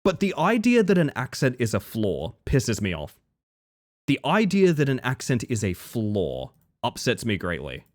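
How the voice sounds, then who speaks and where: A man's voice: medium pitch, huge pitch swings, unhurried. A man with an Australian accent, chatting casually with his live-stream audience while gaming, reading chat aloud and swearing now and then.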